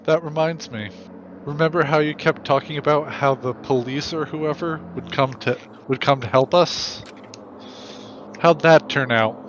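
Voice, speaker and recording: A haughty, condescending young man acted out by a man delivers cool, sardonic game lines. The tone is sharp and forward, on a dull mic with faint noise behind. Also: on the high side, measured pace. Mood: smug, cool. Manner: smug, condescending. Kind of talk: amateur voiced playthrough of a visual novel game.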